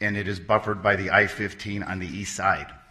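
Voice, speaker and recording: Fairly low-pitched man at a moderate pace, monotone and flat in intonation, against noticeable background noise. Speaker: construction company applicant at county hearing. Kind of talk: public hearing presentation.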